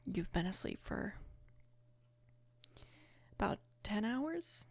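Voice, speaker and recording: A woman of about twenty playing a caring, apologetic mafia boss's daughter in an intimate ASMR roleplay, soft-spoken and hesitant, with a breathy, creaky voice. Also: mid-range voice, big pitch swings, slow pace, dry recording, heavily acted. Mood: gentle, reassuring. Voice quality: breathy, whispery with heavy creak.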